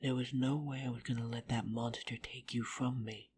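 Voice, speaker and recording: A woman's voice: very deep voice, fairly even intonation, normal speed, darkish tone, a little hiss or hum. A woman playing a defiant, caring vampire in an audio drama, protective and bluntly sarcastic. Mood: tender, sheepish. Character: defiant, caring female vampire in love with an angel.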